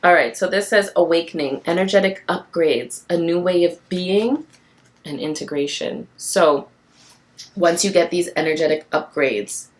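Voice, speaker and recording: A woman giving a casual, passionate tarot card reading to camera, with a raspy, tired voice and encouraging repetition. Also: on the low side, measured pace. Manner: passionate, encouraging, repeats phrases for emphasis.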